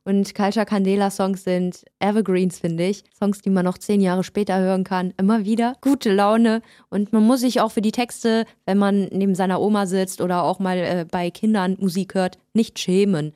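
A woman's voice: mid-range voice, fairly even intonation, moderate pace, hardly any pauses, warm tone, dry recording, clean studio sound. A young woman from Germany, a singer, answering interview questions in a friendly way with simple short sentences. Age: young adult. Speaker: singer, guest.

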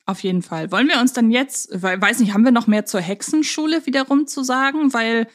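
A woman's voice: a little high, fairly quick. A woman hosting a casual, humorous fan podcast, chatting reflectively and thinking aloud as she goes. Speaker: podcast host.

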